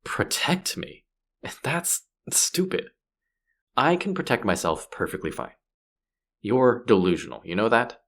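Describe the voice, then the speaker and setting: A man playing a gruff, sardonic space pirate who is grudgingly softening, in a scripted sci-fi audio roleplay spoken to the listener. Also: mid-range voice, big pitch swings, measured pace, exaggerated voice. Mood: exasperated, defensive. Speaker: voice actor.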